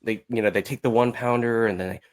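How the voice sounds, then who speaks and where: A man's voice: medium pitch, steady tone, fast. An American man in his thirties, talking casually as a podcast guest, informal and given to acting out examples. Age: 30s. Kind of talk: casual conversational talk.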